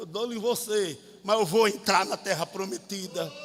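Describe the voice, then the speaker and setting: A man talks at a moderate pace in a high pitch, with noticeable background noise around him. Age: 50s. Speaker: missionary pastor. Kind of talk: sermon. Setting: church service.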